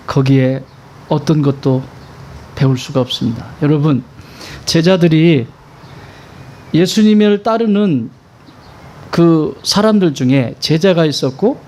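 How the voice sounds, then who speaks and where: A man's voice: a little high, darkish tone, slight background noise. A male pastor preaching a sermon in a conversational way, asking his congregation questions and stressing points emphatically.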